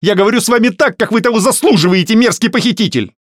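A male narrator voicing an indignant, furious young woman held captive, in shrill outraged outbursts. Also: fast, dry recording, studio quality. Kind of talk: audiobook character voice.

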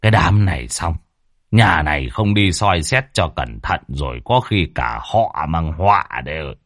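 A man voicing a stern old village exorcist who talks slowly and gruffly. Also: a bass voice, animated, a bit bright, no room sound, clean studio sound, pitched below the performer's own voice, heavily acted. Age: older. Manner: slow, gruff, commanding.

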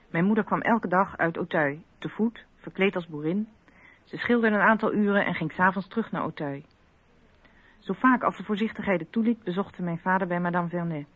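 A woman's voice: on the low side, dry recording, close to an everyday voice. Woman acting a French daughter remembering, thin phone-like sound. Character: French noblewoman's daughter, recalling her mother's dangers. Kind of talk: radio documentary drama, read testimony. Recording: thin, phone-like band-limited radio sound.

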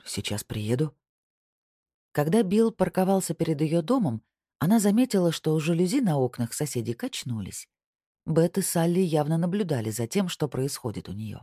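An audiobook narrator reading a novel in an even, unhurried storytelling manner. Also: medium pitch, dry recording, studio quality. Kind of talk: scripted narration.

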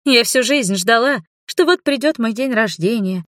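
A young daughter bursts out in high, loud, accusing cries, as a woman narrator puts her on. Her voice sits well above the reader's usual low tone and cracks with tears. The recording is dry and close. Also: very animated, takes it slowly, no echo, heavily acted. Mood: angry shouting. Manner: shouting, tearful, accusing.

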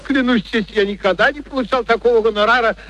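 An actor playing an imperious, eccentric, impatient professor in a radio play, peremptory and sardonic in a theatrical way. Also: male voice, very high voice, fast talker, pushed and bright. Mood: amused, declaiming. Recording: old radio recording, faint noise.

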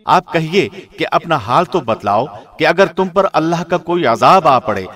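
Slightly high-voiced man reading formally. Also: expressive, fairly bright tone. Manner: measured, formal radio-presenter delivery. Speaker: translation reader. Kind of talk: scripted formal reading of scripture translation.

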